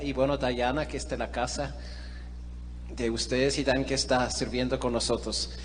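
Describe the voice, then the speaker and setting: A man speaks with a Swiss accent. Audible room echo surrounds his voice. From Switzerland. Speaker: missionary guest preacher. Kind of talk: sermon. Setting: church. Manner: halting.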